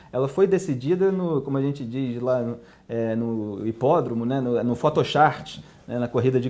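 Pitch varies in an ordinary way as the voice proceeds at a moderate pace. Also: man. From Rio de Janeiro, Brazil. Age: 30s. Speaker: political journalist and commentator. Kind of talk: interview answer. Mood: calm, analytical. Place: studio.

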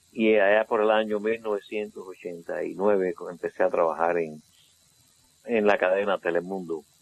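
A man with a Cuban accent speaks very slowly at a fairly low pitch, his intonation fairly even and the sound dry and close with no echo. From Cuba, Camagüey. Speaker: video and broadcast engineer. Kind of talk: radio interview. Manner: halting, hesitant.

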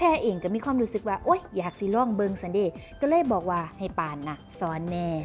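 Over music in the background, a woman with an Isan accent talks at a medium pitch with lively intonation. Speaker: series recap narrator. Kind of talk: casual storytelling recap in Isan dialect.

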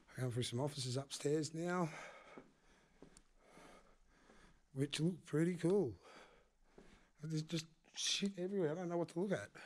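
A man at a moderate pace with ordinary pitch variation and long, frequent pauses. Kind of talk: casual vlog commentary. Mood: excited, amazed. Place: office. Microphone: phone near.

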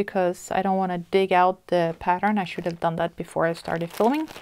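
The speaker is a woman with a Swedish accent. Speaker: cross-stitch vlogger; craft vlogger. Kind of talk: casual vlog monologue; casual vlog chat. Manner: halting, many fillers. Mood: warm, friendly. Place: home room. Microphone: lapel.

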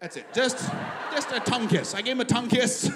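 Noticeable background noise sits behind a man speaking at a fairly quick pace with a high pitch. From Canada. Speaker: stand-up comedian. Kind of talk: stand-up comedy storytelling, acting out panicked inner monologue. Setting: stage with audience. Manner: animated, building to frantic mock-panic; does mimicking voices of characters and accents. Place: stage. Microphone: handheld.

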